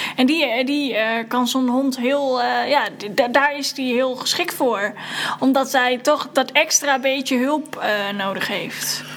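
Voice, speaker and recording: Over noticeable background noise, a woman speaks at a very slow pace in a high pitch with fairly even intonation. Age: 20s. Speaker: visually impaired guest. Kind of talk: radio interview.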